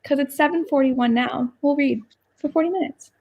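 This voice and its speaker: A woman's voice: high voice, moderate pace, gravelly, muffled recording. A woman hosting a livestream readalong, chatting casually in an informal, self-deprecating way. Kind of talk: casual group chat.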